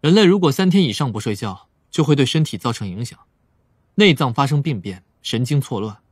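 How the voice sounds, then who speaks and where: A man's voice: medium pitch, animated, brisk, breathy edge, no room sound. A man playing a clever, composed young police psychologist in an audiobook drama, probing and explaining. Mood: explanatory. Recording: dry voice over soft music.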